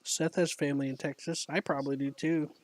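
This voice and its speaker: A man's voice: fairly high pitch, flat delivery, fairly quick. A man from Georgia in the United States, chatting casually with a group of friends. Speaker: participant in a group voice chat. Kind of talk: casual chat.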